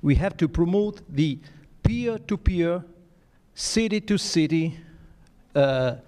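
A man from Italy with an Italian accent, speaking on a panel in a halting way, with many restarts and fillers. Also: a little high, animated, warm tone. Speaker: development agency panelist. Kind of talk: panel discussion.

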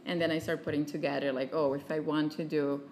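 A woman's voice: deep voice, level tone, fast talker, a little mellow, slight background noise. A woman in her thirties from southern Brazil with a Brazilian Portuguese accent, a guest talking casually with lots of fillers and laughs. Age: 30s. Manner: chatty, many fillers, laughs often. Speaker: guest, venture capitalist. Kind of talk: casual interview chat.

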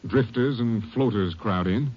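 An actor playing a steady, skeptical American Ranger captain, firm and businesslike, in a 1950s radio drama. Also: male voice, fairly low pitch, a little slow. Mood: calm, skeptical. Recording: muffled, noisy old radio recording.

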